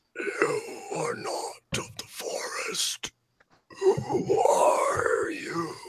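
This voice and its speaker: A man does a put-on character voice, raspy and extremely high in pitch. He speaks at a very slow pace. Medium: actual play. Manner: wary, questioning.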